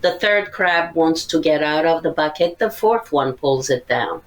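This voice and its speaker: An older woman speaks in a low, unhurried voice. She lays out her points one by one, earnest and methodical, like a therapist guiding a listener through a subject. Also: expressive. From Syria. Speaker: psychotherapist guest. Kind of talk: podcast interview, explaining.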